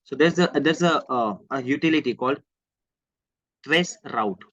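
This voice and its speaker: A man's voice: on the high side, brisk, dry recording. A man with an Indian accent giving a live online technical lesson as an IT trainer, explaining step by step with repeated phrases, some Hindi mixed in and slightly unclear articulation. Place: online screen-share session. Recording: dull, lo-fi close microphone audio.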